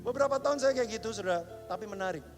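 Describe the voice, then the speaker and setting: A high-pitched man preaches in church, shifting between quiet, intimate passages and loud, emphatic outbursts. His talk is loose and slangy. Music plays clearly behind him. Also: animated, rapid-fire. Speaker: pastor. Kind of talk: sermon.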